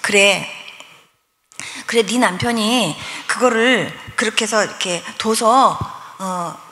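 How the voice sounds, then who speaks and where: A woman preacher voicing God as a patient, gentle parent who calmly corrects her, in a lower, instructive tone. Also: takes it slowly. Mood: gently correcting. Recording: echoey hall with long reverb.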